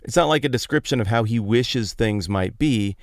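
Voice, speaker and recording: Sitting in a parked truck, an American podcast host from Colorado delivers a casual Bible storytelling monologue in colloquial, playfully emphatic style. He speaks at medium pitch and a moderate pace, and the audio is studio quality with no room sound.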